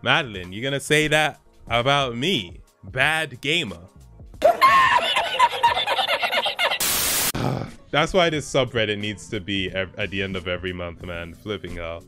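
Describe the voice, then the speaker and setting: A man reacting excitedly on a live stream, laughing often and swearing. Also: fairly low pitch, moderate pace, few pauses, faint music behind.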